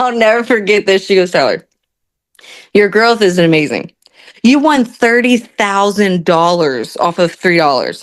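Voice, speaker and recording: A woman's medium-pitched voice with lively intonation, at a fairly slow pace. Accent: Louisiana. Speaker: recovering gambler, podcast guest. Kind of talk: interview answer.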